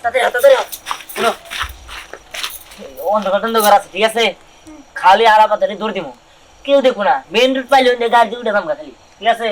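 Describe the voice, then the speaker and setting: A man playing a hurried young eloping lover. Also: high-pitched, a little hiss or hum, natural voice, poor audio. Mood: urging. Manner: urgent, bossy. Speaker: actor in a village comedy short film. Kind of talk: rural comedy drama acting.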